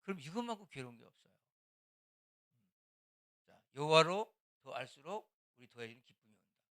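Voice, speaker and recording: A man's voice: fairly high pitch, very animated, normal speed, a bit bright. An older man, a pastor, teaching church small-group leaders in a loose, conversational way, now and then acting out scolding lines. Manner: conversational preaching, acts out scolding quotes.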